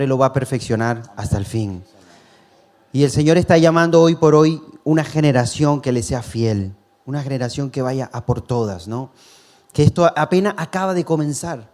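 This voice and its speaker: A man's voice: mid-range voice, darkish tone. A man preaching a sermon, earnest and personal, telling his story to the congregation, calling them brothers and chuckling now and then. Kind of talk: sermon testimony.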